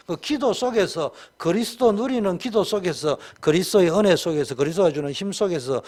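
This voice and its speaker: A male pastor with a Gyeongsang Korean accent delivers a sermon in a colloquial, emphatic way and keeps firing off rhetorical questions. His voice sits a little high for a man and swings widely up and down. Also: a little mellow.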